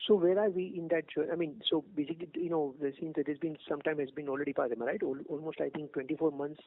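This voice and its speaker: Man, Indian accent, probing analyst, rapid speech, slightly high voice, insistent, phone-line sound. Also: steady tone. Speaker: analyst asking questions. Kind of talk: informal earnings-call questioning.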